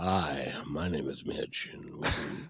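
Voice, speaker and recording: In a put-on character voice, a man talks at a fairly slow pace, raspy and very deep in pitch. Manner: polished, welcoming.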